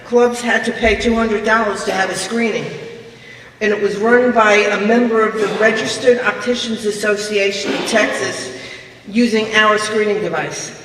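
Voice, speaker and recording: A woman's voice: mid-range voice, fairly bright tone. An older woman with a Brooklyn accent giving a prepared speech to a club meeting. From Brooklyn, New York. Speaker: guest speaker, club officer. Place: large echoey meeting room, live audience. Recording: distant mic, echoey hall, noisy room.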